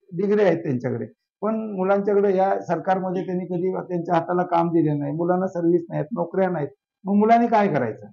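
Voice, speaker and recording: Gravelly high-voiced man making a passionate case. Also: darkish tone. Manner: rhetorical, repeats questions, builds long lists. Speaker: social worker. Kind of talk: impassioned political interview. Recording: dull lo-fi sound.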